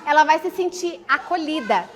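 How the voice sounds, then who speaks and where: Woman speaker at a parenting lecture; very high pitch, crisp bright tone, conversational and explanatory delivery. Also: animated, moderate pace, slight background noise. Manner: explanatory, poses and answers her own questions; conversational, tag questions.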